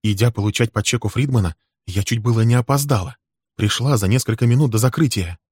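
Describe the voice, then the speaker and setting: A man reading an audiobook, voicing a furious scorned woman who shouts her accusations. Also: medium pitch, quick pace, husky, no room sound, clean studio sound, pitched above the performer's own voice, lightly acted. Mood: sharp.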